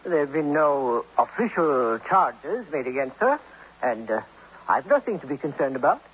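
A man playing a guarded columnist who gives careful, measured answers in 1950s radio drama style on an old recording. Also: on the high side, sing-song, husky, heavily acted. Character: guarded, smooth male columnist. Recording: tinny old radio transcription, faint hiss.

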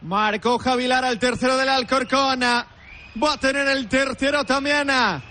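Man, football commentator, very high pitch, forceful bright tone, emphatic repetition, live stadium noise. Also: fairly even intonation, measured pace. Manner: emphatic, repeats phrases. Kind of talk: live penalty shootout commentary.

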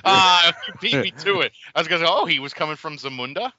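Bright-voiced joking man chatting. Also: fairly high pitch, lively intonation, highs cut off. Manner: laughing, jokey, quick asides. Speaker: podcast co-host. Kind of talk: casual chat about wrestling.

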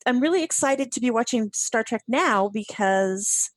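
A woman in her fifties speaks as a guest on a casual podcast, sounding chatty and friendly. Her voice is mid-pitched, and the recording is dry with no room sound. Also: animated, measured pace, no room sound.

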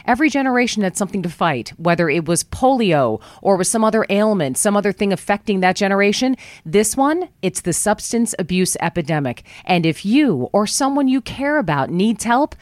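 A woman hosting a talk radio show from a studio, chatting in a folksy, upbeat way, her voice worn low after travel. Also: big pitch swings, a little fast, hardly any pauses, dry recording. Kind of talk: talk radio monologue with live ad reads. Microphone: studio microphone.

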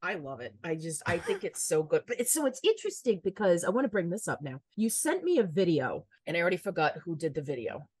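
A talkative American woman co-hosting a podcast, discussing films in a casual, animated way and acting out quotes. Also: on the low side, fast talker, few pauses, slightly rough, no room sound. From United States. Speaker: podcast co-host.

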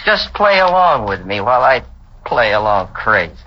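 An actor playing a hard-drinking, mocking private detective in a 1940s radio drama, recorded on a dull old broadcast. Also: male voice, medium pitch, sing-song, moderate pace, noisy background, natural voice. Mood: menacing. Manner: mocking, swings from drawling to tense. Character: hard-drinking sardonic male snoop, menacing.

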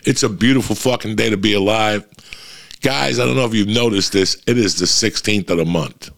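Guy comedian, low gravelly voice, cursing every other word, just rambling. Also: a little fast, fairly bright tone. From New Jersey. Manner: profane, blunt storytelling. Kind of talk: casual rambling monologue.

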